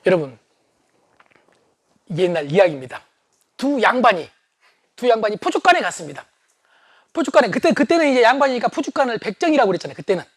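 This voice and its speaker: Middle-aged man, high voice, lively humorous lecturer, dry close sound. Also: fast talker, pauses often, husky, no echo. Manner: animated, shouting for emphasis.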